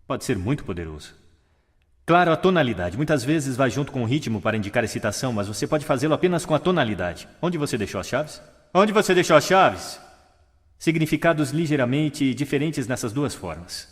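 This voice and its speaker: A man giving a stage talk on how to speak, showing changes of register, pace, pitch and volume as he goes. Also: very animated, quick pace. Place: large hall with audience. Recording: long hall reverb.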